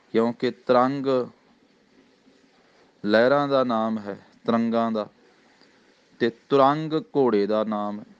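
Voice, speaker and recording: Punjabi guy chanting verse then explaining how to say it, really clear voice, kinda dull lo-fi sound. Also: mid-range voice. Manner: chants each phrase slowly, then explains in quicker plain speech. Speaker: Gurbani recitation teacher. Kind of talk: slow chanted recitation with pronunciation teaching. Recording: slightly dull, lo-fi recording.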